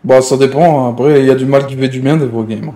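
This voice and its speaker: A man's voice: mid-range voice, steady tone, fast talker, dark tone. A man streaming online game roleplay in character, brash and slangy, swearing often and repeating a verbal tic. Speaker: streamer playing a GTA roleplay gang member. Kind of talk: in-character gaming roleplay chat.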